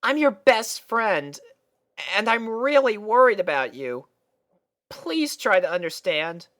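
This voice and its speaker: A woman's voice: mid-range voice, sing-song, takes it slowly, a bit bright, voice pushed up. A woman voicing a brash, tomboyish young pegasus filly in a story reading, blunt and casual but loyal. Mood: earnest, worried. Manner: blunt, exclamatory, casual slangy talk.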